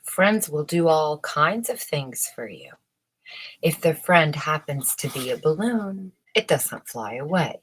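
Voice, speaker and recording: Woman, storybook narrator: low, unhurried, slightly rough voice, expressive phrasing in short stretches. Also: low-quality recording. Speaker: storyteller reading a children's book aloud.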